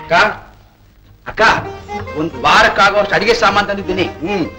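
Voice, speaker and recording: An actor playing a kind brotherly helper in a village household who soothes and coaxes the women of the house. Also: male voice, high voice, normal speed, over music, lightly acted, low-quality recording. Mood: coaxing. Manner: coaxing, soothing brotherly talk. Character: kindly helper brother, warm male village servant. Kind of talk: 1970s film acting.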